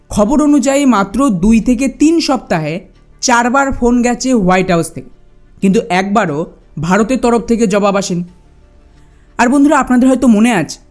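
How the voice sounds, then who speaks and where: This is a narrator reading scripted news commentary. The delivery is rhetorical and emphatic, set at a middle pitch, with music playing behind. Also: darkish tone.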